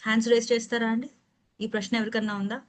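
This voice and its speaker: A woman's voice: fairly high pitch, little pitch movement, racing, slight background noise. Interactive woman trainer with Telugu Indian accent. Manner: conversational, questioning the audience, code-switching into English.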